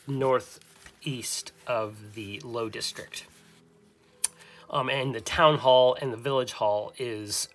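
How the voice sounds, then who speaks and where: A man's voice: medium pitch, fairly bright tone. A man narrating a solo tabletop game as his own game master, thinking aloud and hesitating often.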